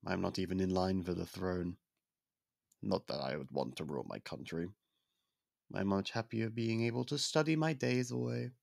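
Young royal suitor, male, deep and fry-laden, soft-spoken and courteous, dry close-mic ASMR read, voiced by a man. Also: normal speed, no room sound. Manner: polite, formal, soft-spoken courtship talk. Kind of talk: ASMR roleplay.

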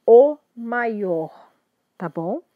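A woman's voice: a little high, animated, drawn-out words, dry recording, narrow, tinny audio. A woman with a Brazilian Portuguese accent teaching an English grammar lesson, patiently explaining and often checking that students follow. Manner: patient, repeats and checks understanding.

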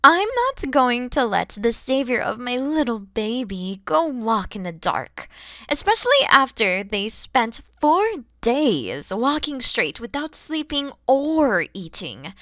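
Woman voicing a bright, expressive motherly dragon lady. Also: on the high side, no echo, clean studio sound, full character voice. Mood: caring, gentle. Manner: expressive, teasing, gentle, addressing the listener directly. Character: kind motherly dragon woman, mature, playful, easily flustered. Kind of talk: ASMR audio roleplay acting.

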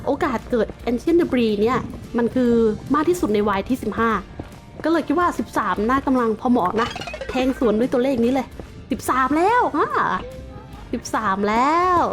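A Thai gaming YouTuber speaks a little fast in a slightly high voice, with faint music behind her. Playing Minecraft, she comments throughout, swinging between playful mock-villain taunts and polite explanations of game facts, with polite sentence endings.

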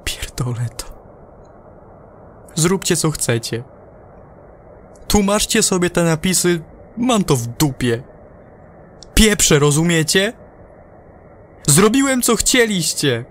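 A man's voice: high voice, very animated, slow pace, pauses often, slight background noise, pitched above the performer's own voice, heavily acted. A man playing a desperate, foul-mouthed astronaut breaking down in an audio drama report, swearing and pleading. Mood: bitter, fed up. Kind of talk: horror audio drama acting.

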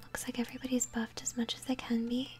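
A young woman whispers her way through a video game in a soft, breathy ASMR style. Her voice sits a little high and is gentle and chatty, close to the mic. Faint music plays behind her. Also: completely flat delivery. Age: young adult. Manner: gentle, chatty, unhurried narration of play. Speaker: game streamer, host. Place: small home room, indoors.

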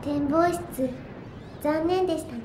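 A woman playing a gentle, polite, vulnerable young girl in a Japanese audio drama. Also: high voice, slow pace, roomy sound, background noise. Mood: downcast.

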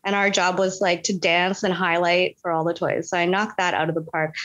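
Woman from Canada, guest actress, chatty storytelling, filler-heavy, animated quoting. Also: on the low side, moderate pace. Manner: animated, frequent "like" fillers, quotes people in voices. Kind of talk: casual interview storytelling.

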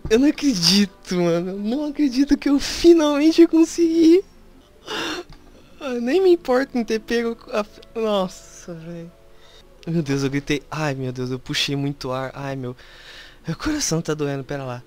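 A game streamer with a Brazilian Portuguese accent, excitedly commenting on gameplay during a live stream and talking straight to the game. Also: medium pitch, moderate pace.

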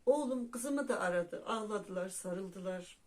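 A woman's voice: mid-range voice, a little slow. A woman vlogger telling viewers a heartfelt personal story with religious devotion, speaking directly to them as friends.

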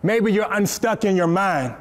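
A young man with a high, light voice preaches from a church stage into a headset mic. He talks in a lively, repetitive way and keeps restarting his words with little stammers. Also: measured pace. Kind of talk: sermon. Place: church stage, seated on a stool.

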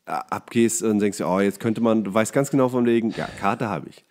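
A man's voice: on the low side, a little fast, darkish tone. A man chatting casually as a podcast co-host. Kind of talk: casual chat.

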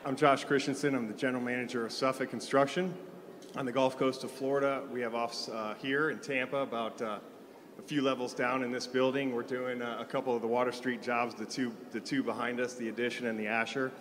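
A man introducing his construction firm on a panel, halting with fillers. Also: medium pitch, little pitch movement, fairly bright tone, slight background noise. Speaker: construction general manager, panelist. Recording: reverberant conference hall.

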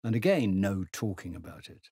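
A man voicing a contemptuous, combative English gentleman in a novel, speaking bluntly and emphatically. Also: deep voice, animated, normal speed, husky, dry recording, studio quality. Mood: emphatic, disdainful.

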